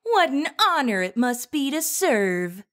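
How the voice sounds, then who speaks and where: A woman's voice: sits high, big pitch swings, a little slow, a bit bright, heavily acted. A woman playing a playful, teasing young twin sister who works as a forest ranger, in an audio drama. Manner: teasing, sardonic.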